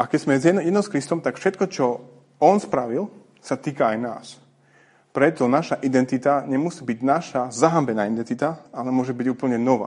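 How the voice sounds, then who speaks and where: Against a quiet background, a man talks at a moderate pace. His pitch is medium and varies in an ordinary way. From eastern Slovakia, Prešov. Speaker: visiting preacher. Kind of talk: sermon. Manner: halting, with repetitions.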